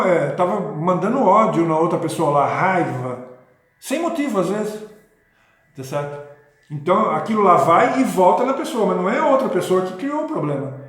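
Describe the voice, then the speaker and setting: High-voiced man in a very echoey room. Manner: rambling, many restarts and tag questions. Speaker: video host. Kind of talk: casual spoken talk on spirituality.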